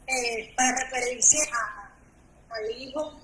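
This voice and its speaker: A woman student with a bright, fairly high voice works through a question to her teacher. She pauses and restarts as she looks for the words. The room around her rings with echo. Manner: hesitant, searching for words.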